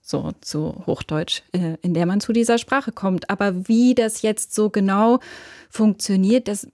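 A woman's voice: medium pitch, unhurried, mellow, no room sound, clean studio sound. A woman in her late thirties from Switzerland, a novelist answering interview questions thoughtfully, often affirming with small murmurs. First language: Swiss German. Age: 30s. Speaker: novelist guest. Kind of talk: radio interview.

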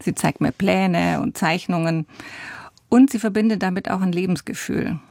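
Low, gravelly woman reporter narrating. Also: darkish tone, no echo. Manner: measured, storytelling delivery. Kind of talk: scripted feature narration.

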